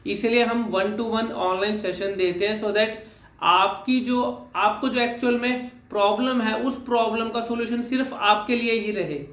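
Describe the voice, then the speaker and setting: Young male speech coach, high-pitched, explains step by step with repeated phrases; echoey room. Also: a bit bright. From Haryana, India. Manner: mixes English terms into Hindi, repeats phrases for emphasis. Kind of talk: explanatory lesson talk.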